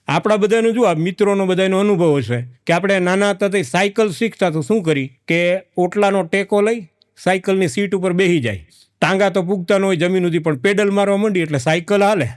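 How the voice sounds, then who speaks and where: A man spins a folksy comic tale about village life. His voice sits high, and he repeats words for rhythm as he acts out each character. The recording is dry and close. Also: dry recording. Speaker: comedic storyteller. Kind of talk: folk joke storytelling to a live audience.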